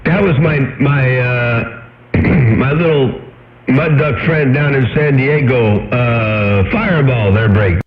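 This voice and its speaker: A CB radio operator drawls slowly in a mid-range voice, chatting casually in trucker-style slang with handles and codes. The transmission comes through echoey and dull.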